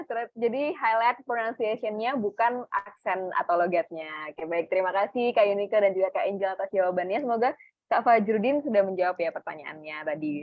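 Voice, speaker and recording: A woman's voice: medium pitch, dry recording. Webinar host lady, mid voice, lots of ums, muffled sound. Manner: friendly, filler-heavy, addresses audience. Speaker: webinar moderator. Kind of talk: moderating a webinar, promotional announcements.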